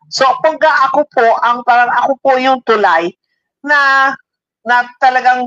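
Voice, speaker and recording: A woman's voice, dry and close, with no echo. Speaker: radio host. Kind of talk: casual chat. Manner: halting.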